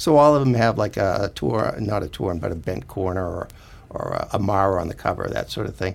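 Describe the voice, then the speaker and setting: Speaking with a Boston accent, a man with a fairly low pitch talks at a fairly quick pace with lively intonation. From US Northeast, Lynn near Boston. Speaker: cannabis writer and grower. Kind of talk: interview.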